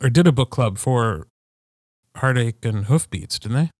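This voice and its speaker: A man chatting casually and reflectively as a podcast co-host, in a halting, conversational way. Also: mid-range voice, animated, darkish tone, dry recording, studio quality. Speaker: podcast co-host and audiobook narrator.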